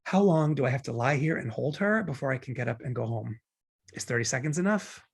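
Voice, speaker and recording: Romantic comedy lead, man acting: glib, argumentative young man, husky fry-laden voice, very lively delivery. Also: mid-range voice, fairly quick. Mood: opinionated, cynical. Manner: glib, opinionated, rambling justifications. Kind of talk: table read of romantic comedy script.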